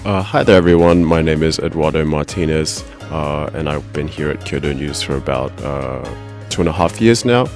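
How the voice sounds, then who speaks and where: A man's voice: extremely low pitch, moderate pace, darkish tone, soft background music. A man from Australia, a news reporter who chats hesitantly on a podcast and reads an article aloud. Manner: hesitant, many ums and uhs.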